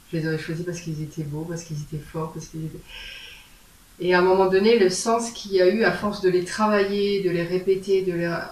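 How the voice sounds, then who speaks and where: A woman's fairly low pitch carries fairly even intonation. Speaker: storyteller and author. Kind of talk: interview answer. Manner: hesitant, reflective.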